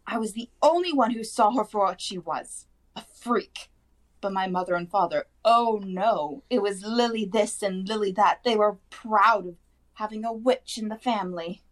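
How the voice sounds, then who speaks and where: A woman's voice: medium pitch, normal speed, natural voice. A woman performs a bitter middle-aged aunt from a storybook. She rants shrilly and spitefully, full of resentment. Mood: shrill contempt. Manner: ranting, spiteful. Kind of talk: audiobook character acting.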